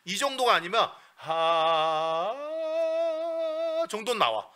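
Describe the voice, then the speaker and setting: A male vocal coach giving a lesson in a blunt, bossy, joking way with coarse slang, breaking into breathy falsetto demonstrations. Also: expressive, takes it slowly, bright, forceful tone.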